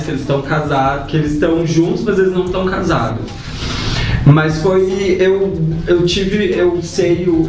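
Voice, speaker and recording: A man, telling stories as a guest in quick, lively bursts with a few repeats. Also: medium pitch, slight background noise. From Guarulhos, Brazil. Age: 20s. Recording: echoey room, mic at a distance.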